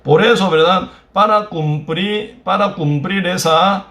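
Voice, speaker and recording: A man with a Korean accent preaches a sermon in a higher-than-usual voice. His phrases come out halting and broken, and he keeps tagging them with questions to the congregation. The recording carries the echo of a church hall. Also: pushed and bright. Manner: peppers phrases with tag questions. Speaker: pastor.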